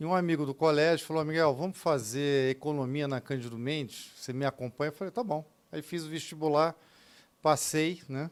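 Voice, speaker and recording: A man with a Carioca accent speaks at a moderate pace in a fairly high voice with ordinary pitch variation, in a very clean recording with a silent background. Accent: Carioca (Rio de Janeiro) Portuguese. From Rio de Janeiro, Brazil. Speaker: business executive. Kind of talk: interview.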